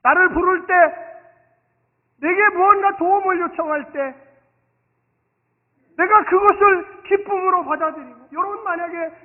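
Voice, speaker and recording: A man preaching a Sunday sermon as pastor, animated, swinging from soft asides to loud exclamations and leading the congregation to repeat after him. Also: extremely high pitch, a little slow, pauses often. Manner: acts out dialogue and leads the congregation in call-and-response. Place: church sanctuary. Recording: reverberant hall, thin phone-like sound.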